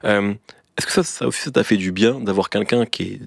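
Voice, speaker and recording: Guy interviewer, lowish voice, lots of euh while asking stuff, dry mic. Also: fairly quick, creaky, dry recording. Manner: hesitant, many fillers while framing questions. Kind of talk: conversational interview questions.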